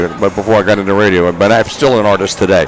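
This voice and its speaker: Fairly quick speech from a man over background music. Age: 60s. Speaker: radio host. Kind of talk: live interview. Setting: live broadcast booth at a convention.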